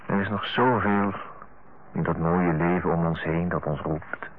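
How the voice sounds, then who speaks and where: An actor playing an earnest, tender brother in a Dutch radio play, speaking in a solemn, eloquent, husky voice. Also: male voice, low voice, fairly even intonation, unhurried, a little hiss or hum. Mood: pleading, tender. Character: earnest, tender brother counselling his older-aged sister. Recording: muffled, phone-like old radio recording.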